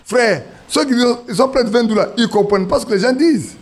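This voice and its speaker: Male preacher, high-pitched, sermon storyteller. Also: fast. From Ivory Coast. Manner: storytelling with acted quotes, restarts.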